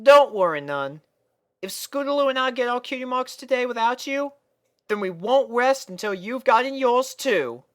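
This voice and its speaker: A woman acts as a sweet little farm filly from a cartoon, high in pitch and lively. The character speaks in an earnest, pleading, folksy way, always eager to help. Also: moderate pace. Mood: reassuring.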